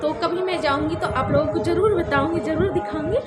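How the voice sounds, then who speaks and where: A woman's voice: very high-pitched, fairly even intonation, a little fast, over a noisy crowd. A young woman chatting casually through a family vlog at home, explaining at length with lots of fillers. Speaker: family vlogger and mother. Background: music and prayer sounds nearby.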